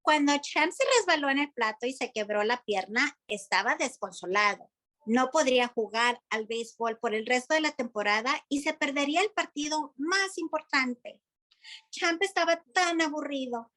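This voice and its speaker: A woman's voice: high-pitched, brisk, pushed and bright. A woman reading a children's story aloud, as a narrator for young listeners. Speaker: Spanish translator-reader of a children's book.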